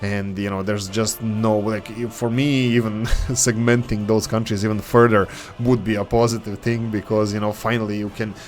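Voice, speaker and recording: Brief: lower-voiced Croatian man, rambling gaming host, faint music behind. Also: little pitch movement, normal speed, hardly any pauses. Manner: rambling, frequent fillers and restarts. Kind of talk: casual commentary over a game.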